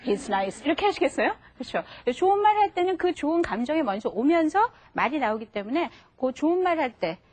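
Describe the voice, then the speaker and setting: Woman teacher, high and bright, lively and patient, models words for the class to repeat. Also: fast talker, hardly any pauses. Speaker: English teacher. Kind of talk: classroom lesson for adult learners. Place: TV studio classroom.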